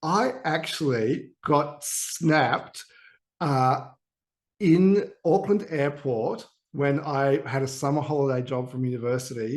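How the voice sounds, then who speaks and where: A man with an Australian accent speaks at a very slow pace with a fairly high pitch. His pitch variation is ordinary, and the background is quiet. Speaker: business and marketing expert. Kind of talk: podcast interview.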